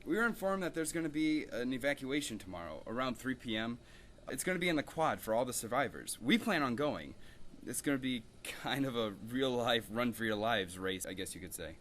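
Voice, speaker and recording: A man's voice: mid-range voice, very animated, brisk, fairly bright tone, a little hiss or hum. A young man playing a casual, sardonic survivor in an amateur zombie horror radio drama. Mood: wry, matter-of-fact.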